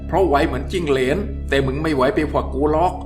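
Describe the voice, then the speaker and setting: A commanding gentleman thief from a pulp thriller audiobook talks down to a rival with crude, threatening contempt, as a male narrator does his voice. His voice sits a little higher than most men's, and soft music runs underneath. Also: fast talker, natural voice. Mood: scornful. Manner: coarse, contemptuous, threatening talk. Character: tough gentleman master thief, man, scornful and commanding.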